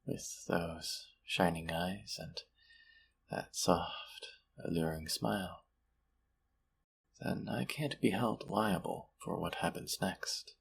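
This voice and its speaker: A man playing a sweet, smitten stranger in an intimate romantic audio roleplay, speaking softly and hesitantly in a husky, gravelly voice. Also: low voice, a little hiss or hum, exaggerated voice. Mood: flirty, smitten. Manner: soft, hesitant, tender, with pauses.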